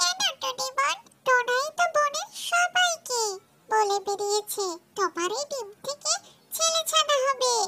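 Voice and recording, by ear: Putting on a cartoonish character voice, a female-sounding speaker talks at a fairly slow pace with an extremely high pitch.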